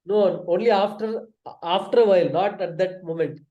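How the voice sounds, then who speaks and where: Guy asking his teacher stuff, slightly high mellow voice, halting and repeats words. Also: lo-fi sound. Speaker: student. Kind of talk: hesitant questioning in a study session.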